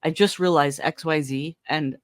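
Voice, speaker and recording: A woman giving casual true-crime commentary as a host, thinking out loud with emphatic, conversational phrasing. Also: low voice, steady tone, normal speed. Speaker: podcast host analysing recordings.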